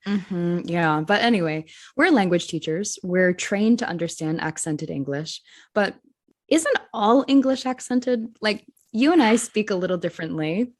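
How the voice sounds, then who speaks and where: A woman's voice: medium pitch, lively intonation, moderate pace. A woman with a Rhode Island accent co-hosting a teachers' podcast, talking earnestly and thinking aloud through rhetorical questions. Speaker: podcast co-host, English teacher. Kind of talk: scripted podcast discussion.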